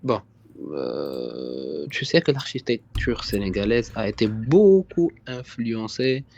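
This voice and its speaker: A young man from Morocco speaks in a fairly low voice over a muffled, dull call line. He answers slowly and haltingly, often restarting his sentences. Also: very animated, creaky, darkish tone, a little hiss or hum. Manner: hesitant, repeats words, often says "sincèrement". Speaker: guest. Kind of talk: casual interview on a live stream.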